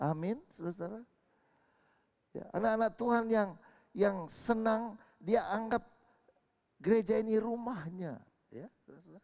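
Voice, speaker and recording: Long, frequent pauses break up a man's speech, and his loudness swings widely. His pitch sits high for a man, with ordinary pitch variation. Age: 70s. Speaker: pastor. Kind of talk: sermon. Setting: church. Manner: animated.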